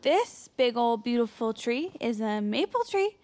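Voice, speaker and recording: An actress playing a flighty, anxious White House aide in an audio drama, chatty, folksy and easily flustered. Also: female voice, on the high side, very animated, measured pace, a little mellow. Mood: chirpy, irritated. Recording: music under the voice.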